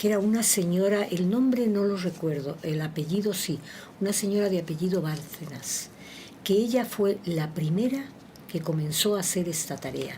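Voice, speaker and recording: At a moderate pace, a woman speaks in a medium pitch with a somewhat breathy, dark, mellow tone, ordinary pitch variation, and audible room echo. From Ecuador, Quito. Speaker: film publicist and author. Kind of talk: interview. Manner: hesitant, with fillers.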